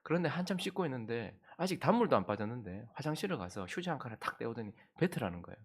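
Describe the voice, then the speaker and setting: A male pastor preaching at an early-morning service, his pitch rising and falling widely as he tells an anecdote. His voice sits in a middle range, and he talks straight to the congregation. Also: rapid-fire, husky. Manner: animated storytelling, addresses the congregation. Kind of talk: anecdotal dawn-service sermon.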